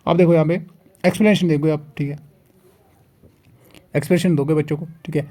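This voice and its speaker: Young male tutor, slightly high, mellow tone, casual walkthrough, frequent check-ins. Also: steady tone. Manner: repeats checks like "theek hai", reads written lines slowly. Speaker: teacher explaining a lesson plan. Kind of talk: casual teaching walkthrough, mixing Hindi and English.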